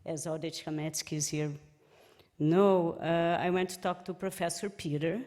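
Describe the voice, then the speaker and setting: A woman with a Brazilian accent speaks slowly, sharing anecdotes at a memorial event and laughing softly between them. Her voice sits a little low. The sound carries a long hall reverb. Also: steady tone. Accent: Brazilian Portuguese. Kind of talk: personal remembrance speech. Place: lecture hall.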